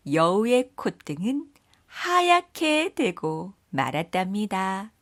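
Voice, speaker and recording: Female narrator for children's folktales, very unhurried, breathy husky tone. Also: medium pitch, dry recording, studio quality. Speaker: storyteller.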